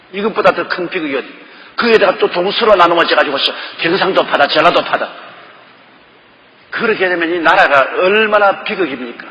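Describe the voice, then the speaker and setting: Older pastor w/ preaching hard, lots of rhetorical questions, echoey church hall. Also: male voice, on the high side, pushed and bright, dull audio. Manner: emphatic, repeats key phrases, fires rhetorical questions. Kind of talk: sermon.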